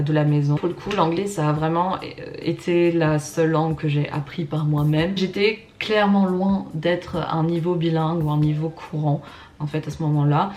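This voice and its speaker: A woman's voice: low voice, warm tone, slight background noise. A woman in her twenties telling her own story in a chatty, casual way, with lots of fillers and bursts of emphasis. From Germany and France, Russian-Canadian. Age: 20s. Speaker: vlogger.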